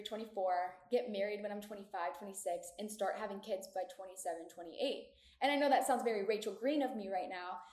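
A woman's voice: a little high, a little mellow. A woman of twenty-four with an American accent hosts a podcast alone, chatting candidly and casually in an echoey room. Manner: candid, chatty, informal, frequent "like". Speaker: podcast host. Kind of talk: casual solo podcast chat. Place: echoey community room of an apartment building.

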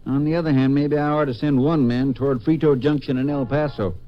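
A man's voice: mid-range voice, steady tone, fairly quick, natural voice. An actor playing an earnest, practical county lawman in a 1950s radio drama. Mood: earnest, businesslike. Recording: muffled old radio recording.

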